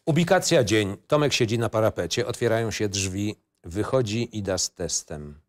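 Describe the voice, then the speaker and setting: Low-pitched man reading screenplay directions. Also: animated, moderate pace. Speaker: narrator reading stage directions. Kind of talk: scripted narration, screenplay reading.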